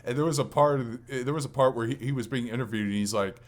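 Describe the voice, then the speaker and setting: A man co-hosting a podcast, chatting casually about video games in a rambling, halting way that often restarts. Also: medium pitch. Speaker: podcast co-host.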